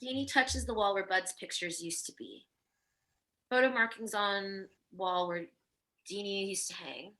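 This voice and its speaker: A woman's voice: medium pitch, unhurried, pushed and bright, rough recording. A woman reading screen directions as scripted narration in a virtual table read. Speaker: stage directions reader.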